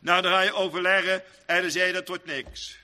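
A male preacher giving a sermon, swinging between soft, quick asides and loud, drawn-out exhortations. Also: high-pitched, flat delivery. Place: church. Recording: long reverb of a church hall.

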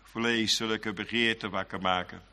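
A man preaching a sermon in a dramatic, emphatic style, with sudden loud outbursts. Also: lowish voice, fairly even intonation, measured pace, big-room sound.

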